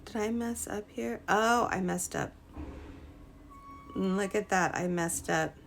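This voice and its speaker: A woman hosting a casual live crochet stream, chatting with viewers, her voice a little hoarse from a cold. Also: mid-range voice, slow pace, faint music behind. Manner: chatty, greets viewers, trails off and restarts. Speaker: crochet livestream host.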